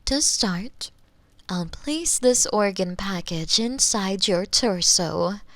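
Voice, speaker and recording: A woman playing a smug, menacing female mad scientist in a theatrical ASMR roleplay, condescending and sometimes breathy, close on a binaural microphone. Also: mid-range voice, lively intonation, takes it slowly, fairly bright tone, dry recording. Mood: clinical, absorbed. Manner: theatrical, condescending, sighing, slipping into breathy whispers. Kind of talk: roleplay ASMR monologue, spoken to the listener.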